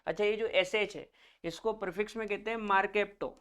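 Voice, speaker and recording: A man's voice: sits high, steady tone, a little fast, a bit bright, clear, resonant tone. A male chemistry teacher giving a classroom lecture, naming each term, then asking students to repeat it back, calling them children.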